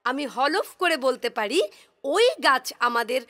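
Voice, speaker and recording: Cartoon queen, high sharp voice, proud, haughty, insistent. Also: animated, a little slow, full character voice. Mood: boastful. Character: proud, boastful queen, fond of showing off. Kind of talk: cartoon voice acting.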